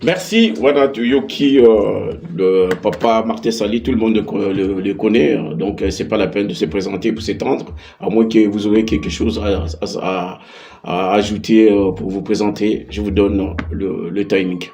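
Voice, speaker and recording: A man's voice: on the low side, fairly even intonation, normal speed, vocal fry, dark tone. A man with a Congolese accent hosting a conversational interview, speaking hesitantly and often repeating his words. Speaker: interviewer, host.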